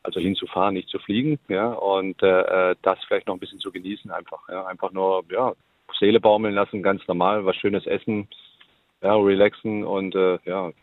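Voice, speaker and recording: A man talking casually as a phone guest on a podcast, relaxed and filler-heavy. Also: deep voice, normal speed, no echo. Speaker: phone guest, football club sports director. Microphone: phone line. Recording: tinny phone line.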